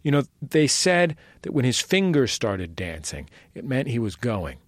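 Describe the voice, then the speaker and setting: A man's voice: mid-range voice, big pitch swings, a little slow, dry recording. A man in his thirties hosting a radio show with scripted narration. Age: 30s. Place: dry studio.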